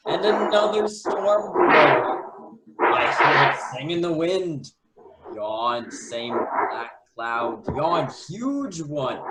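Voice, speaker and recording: A man playing a foolish, puzzled jester in a Shakespeare radio play monologue. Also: medium pitch. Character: foolish jester sheltering from storm, puzzled by monster. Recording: loud background noise.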